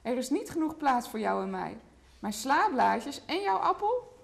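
A fussy storybook rabbit, male, turning a visitor away to guard his lettuce. A woman reads his part aloud in a high voice that moves up and down a lot. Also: sing-song, a little slow, gravelly, heavily acted. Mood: refusing. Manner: gentle storybook reading.

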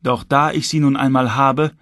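A man's voice: medium pitch, steady tone, normal speed, fairly bright tone, no room sound, clean studio sound, natural voice. A man voicing a cold, uncompromising young male magician who speaks with stern, unwavering conviction. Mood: low intense.

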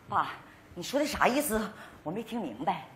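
A woman's voice: mid-range voice, sing-song, normal speed, fairly bright tone. A woman playing an earnest, devoted daughter-in-law in a stage comedy sketch, coaxing her father-in-law. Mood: pleading. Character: devoted pleading daughter-in-law, middle-aged. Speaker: sketch actress. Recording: echoey stage sound.

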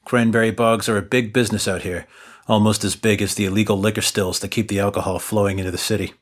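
A man's voice: on the low side, level tone, fast talker. A young man narrating and playing his character in a tabletop game, with a dry, exasperated manner. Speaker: player narrating as main character.

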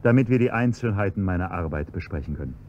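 An actor playing a smooth, insinuating man posing as a hired servant in a radio crime play. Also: sits low, expressive, quick pace, darkish tone. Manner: suave, insinuating, mock-polite. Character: smooth menacing servant blackmailer. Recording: dull lo-fi radio recording with faint hum.

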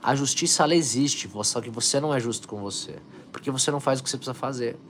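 On his motivational live stream, a male coach spurs his audience on with energy and reads out what they comment. He talks fast in a mid-range voice with a fairly bright tone, over slight background noise.

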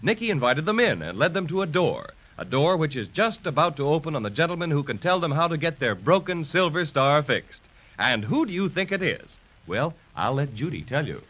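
A man narrating a children's radio story in a gentle storyteller's manner. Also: on the high side, sing-song, a little fast. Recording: dull lo-fi 1930s radio transcription.

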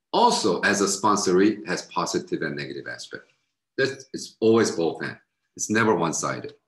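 A middle-aged man with a low voice gives a recorded lecture beside his slides, speaking bluntly and repeating himself as he thinks aloud. His tone swings widely, leaping high when he quotes other people. The sound comes from a laptop mic in an echoey room. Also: a bit bright. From United States. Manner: frank, repeats words, jumps to high pitch for quoted voices. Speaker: missionary lecturer.

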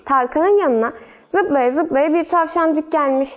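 High-voiced woman telling a fairy tale. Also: slow pace, soft background music. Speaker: storyteller. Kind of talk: children's fairy tale reading.

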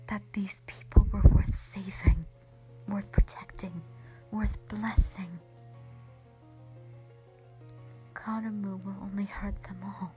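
A woman voicing a gentle, ancient black dragon, a protective and sorrowful elder sister, in a hushed, breathy, halting dramatic monologue. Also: medium pitch, close to an everyday voice. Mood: grave, resolute. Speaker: audio roleplay performer. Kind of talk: soft whispered dramatic monologue, ASMR-like.

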